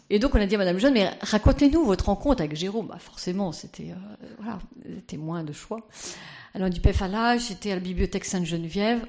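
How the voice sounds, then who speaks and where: A woman's voice: lowish voice, mellow. A woman giving an anecdotal conference talk as postulator of a sainthood cause, chatty and full of fillers.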